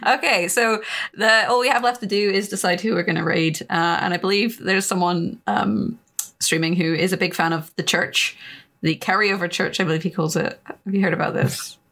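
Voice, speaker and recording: A woman's voice: fairly low pitch, fairly even intonation, normal speed, a bit bright. A woman hosting a gaming podcast in casual chat, laughing often and teasing her guests. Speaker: podcast host.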